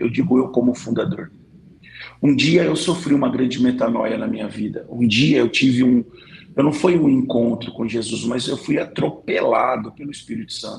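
A man speaks at a moderate pace and a medium pitch. His is a plain, everyday voice with ordinary pitch variation. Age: 40s. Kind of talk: interview about faith and community life.

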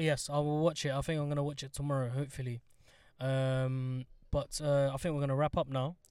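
A man speaks with a British accent in a flat monotone. The recording is very clean, with a silent background. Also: fairly high pitch for a man, fairly quick pace. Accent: British urban. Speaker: podcast host. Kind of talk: casual chat.

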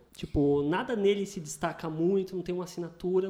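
A man's high-pitched voice at a fairly quick pace, with noticeable background noise. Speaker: podcast co-host and film youtuber. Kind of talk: casual chat.

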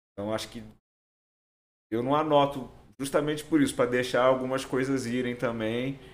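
Pausing long and often, a man of medium pitch speaks at a moderate pace with audible room echo. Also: fairly even intonation. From Volta Redonda, Rio de Janeiro state, Brazil. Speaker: rap producer / DJ. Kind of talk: casual interview.

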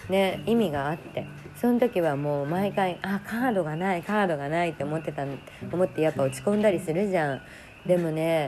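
An unremarkable speaking voice from a woman, fairly low in pitch, with ordinary pitch variation and a moderate pace. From Japan. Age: 30s. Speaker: podcast host. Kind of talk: casual monologue. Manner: relaxed, chatty.

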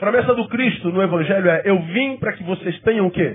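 An animated man with a Rio de Janeiro accent, high in pitch, at a moderate pace with ordinary pitch variation, over background music. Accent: Carioca Brazilian Portuguese. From Brazil, Rio de Janeiro (Realengo). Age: 40s. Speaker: pastor. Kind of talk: sermon. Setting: church.

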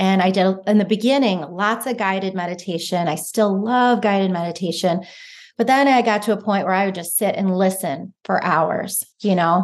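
Here is a woman with an ordinary speaking voice. She talks at a moderate pace and medium pitch. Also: quiet background. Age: 40s. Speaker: movement and meditation teacher. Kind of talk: casual interview.

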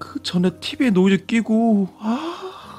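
A woman's fairly high voice at a very slow pace, with very wide pitch swings and music in the background. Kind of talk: ghost story telling. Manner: suspenseful, hushed narration that builds tension.

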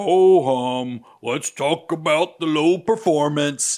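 In a put-on character voice, the speaker holds a middle pitch at a very slow pace. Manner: bored, sarcastic.

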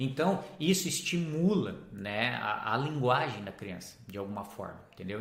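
The man's pitch sits in the medium range, and his pace is fairly slow. Noticeable background noise and audible room echo fill the recording. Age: 30s. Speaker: primary school teacher. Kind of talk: live online class, conversational. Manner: halting, many fillers and restarts.

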